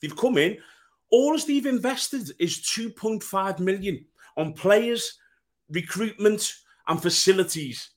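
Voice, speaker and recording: A man's voice: high voice, lively intonation, takes it slowly. A man on a podcast panel in a heated sports debate, talking insistently and repeating key points for emphasis.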